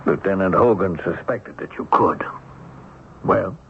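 An actor playing a stiff, haughty bank executive in a radio mystery drama, formal, cold and clipped. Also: male voice, low voice, unhurried, creaky, a little hiss or hum. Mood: cold, impatient. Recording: muffled old radio broadcast.

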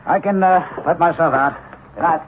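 An actor playing an affable but firm police lieutenant in a radio mystery drama, plain-spoken and official. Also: male voice, fairly high pitch, normal speed, natural voice. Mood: wry, assured. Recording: muffled, noisy old radio broadcast.

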